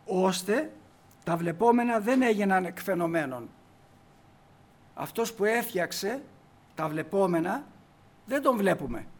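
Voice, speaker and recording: Male preacher with a high voice, delivering a sermon with force and rhetorical questions. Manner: emphatic, asks the congregation rhetorical questions.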